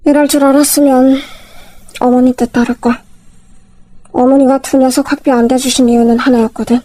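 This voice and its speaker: A woman voicing a middle-aged husband in a spoken story, calm and firm in a lecturing tone. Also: sits high, dry recording.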